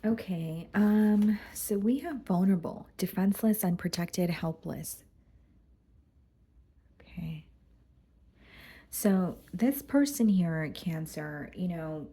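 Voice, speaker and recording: A woman doing a casual tarot reading, going hoarse and clearing her throat as she talks through the cards with some hesitation. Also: lowish voice, mellow. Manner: careful, hesitant, repeats words. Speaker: tarot reader.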